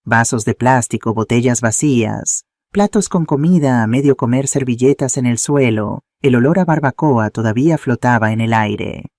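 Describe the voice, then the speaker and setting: Man, storyteller, steady earnest narration, dark mellow voice, dry close sound, slight gravel. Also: mid-range voice, normal speed, hardly any pauses, no room sound. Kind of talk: scripted first-person story narration.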